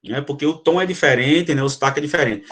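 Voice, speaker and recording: A male teacher lecturing to students, often pausing to ask if they follow and explaining with quick examples. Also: a little high, fairly bright tone. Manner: frequent checking questions to students. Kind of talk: classroom lecture.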